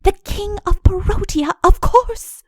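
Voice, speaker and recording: A woman voicing a young princess in an audiobook fairy tale, exclamatory and reproachful toward her royal father, with drawn-out emphasis. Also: extremely high pitch, no room sound, voice pushed up. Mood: excited, reproachful.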